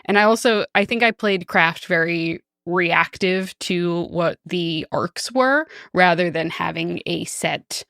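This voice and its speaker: Gravelly, low-voiced thoughtful woman. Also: slow pace, hardly any pauses, a bit bright, no echo, clean studio sound. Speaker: podcast co-host and player. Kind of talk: casual podcast chat.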